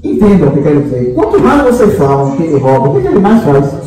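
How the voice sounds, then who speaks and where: A man's voice: on the high side, sing-song, fast, dark tone. A man giving a chatty, teasing spiritual talk to a group, full of tag questions and fillers. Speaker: spiritual guide addressing a group. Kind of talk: informal spiritual talk to a meeting. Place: large echoey meeting hall. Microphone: distant room microphone. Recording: very echoey hall, voice from far off.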